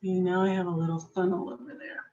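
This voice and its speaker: A woman slowly demonstrating a jewelry-making technique on camera, a little hoarse, chatting patiently as she works with her hands. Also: fairly low pitch, little pitch movement, mellow, dull audio. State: slightly hoarse. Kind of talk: slow step-by-step craft demonstration.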